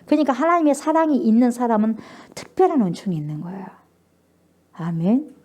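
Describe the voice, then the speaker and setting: A woman's voice: a little high, dark tone. A woman pastor preaching a sermon, speaking emphatically, asking the congregation questions and acting out scripture with feeling. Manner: emphatic, asks the congregation questions and acts out scripture with rising emotion.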